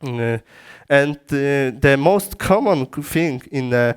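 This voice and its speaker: A man with a Polish accent giving a technical lecture in a conference room through a PA system, in halting English with frequent restarts. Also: medium pitch, lively intonation, clear, resonant tone. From Poland. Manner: halting non-native phrasing with frequent restarts.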